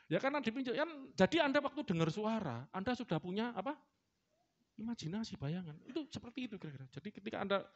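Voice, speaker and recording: Playful preacher, lively voice. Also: male voice, high-pitched, dull audio. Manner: playful, joking with the congregation and imitating animal sounds. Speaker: pastor. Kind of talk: sermon. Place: church hall.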